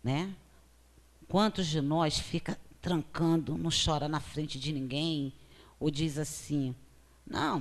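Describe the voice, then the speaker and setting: A woman with a Brazilian accent giving a conversational spiritual talk as a lecturer at a spiritist center, earnest and often checking in with her listeners. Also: mid-range voice. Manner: earnest, often tags 'né?' to engage listeners.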